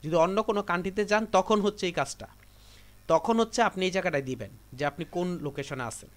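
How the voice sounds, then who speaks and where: A man from Bangladesh with a high-sitting, fairly bright voice and lively intonation speaks fast while teaching a computer class. In this live classroom tutorial, he gives his students repetitive step-by-step instructions.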